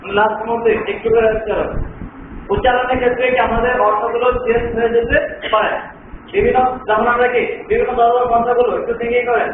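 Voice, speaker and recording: A man with a very high voice lectures a training class, checking often with rhetorical questions and slipping English words into his speech. He sounds far from the mic in a very echoey room. The sound is thin like a phone line, with clear noise behind him. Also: level tone, fast. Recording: far-off, echoey, tinny, noisy room recording.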